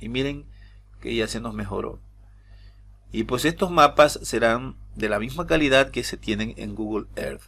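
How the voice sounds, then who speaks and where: Here a man speaks at a fairly slow pace. Long, frequent pauses break up his speech. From Ecuador, Manabí (Portoviejo). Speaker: YouTube tutorial creator. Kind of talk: tutorial.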